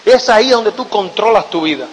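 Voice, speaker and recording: A man with a very high voice gives a motivational seminar talk. He speaks emphatically and keeps checking in with his listeners through short tag questions. His voice rings out with a long hall reverb behind it. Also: normal speed. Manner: emphatic, lively delivery.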